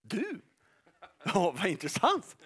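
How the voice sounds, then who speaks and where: A man's voice: sits high, huge pitch swings, bright, forceful tone, breathy edge, heavily acted. A man preaching voices a sly male devil who mockingly lists a listener's faults with sarcastic, probing questions. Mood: taunting.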